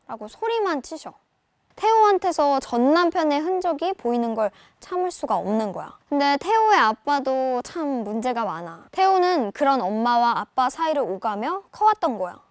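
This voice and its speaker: High-voiced playful young woman reviewing a book. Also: no echo. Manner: playful, lively, speaks in casual banmal to viewers. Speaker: book reviewer and reading tutor. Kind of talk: casual informal book review to viewers.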